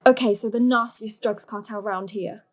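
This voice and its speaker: An actress playing an earnest, practical young daughter and granddaughter in a naturalistic drama. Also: female voice, mid-range voice, steady tone, moderate pace, natural voice. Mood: anxious, explaining.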